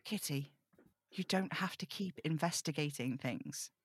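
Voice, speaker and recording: A woman's voice: low voice, unhurried, slightly rough. A woman playing a snarky, weary supernatural radio host in an audio drama, wry and brooding in manner. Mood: subdued, curt. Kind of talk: audio drama table read.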